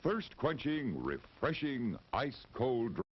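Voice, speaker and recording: A man's voice: medium pitch, sing-song, slow pace. An American man announcing a vintage drive-in refreshment promo in scripted advertising style. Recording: muffled noisy old film soundtrack.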